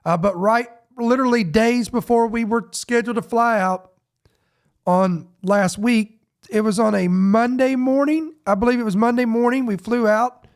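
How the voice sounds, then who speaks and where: Sniffly high-voiced man hosting a podcast. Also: moderate pace. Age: adult parent. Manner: rambling, off-the-cuff, many restarts. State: sniffly with a head cold. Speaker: podcast host. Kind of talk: casual news podcast chat.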